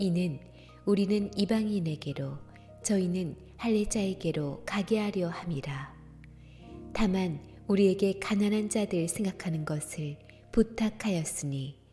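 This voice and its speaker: A woman at a medium pitch, very slow and calm, with ordinary pitch variation and music playing in the background. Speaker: scripture reader. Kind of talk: reading aloud.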